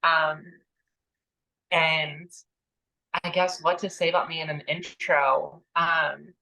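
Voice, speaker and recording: A woman in her early thirties co-hosting a casual podcast chat from home, relaxed and plain-spoken. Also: low-pitched, takes it slowly, vocal fry, poor audio. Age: 30s. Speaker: podcast co-host. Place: own home, remote call.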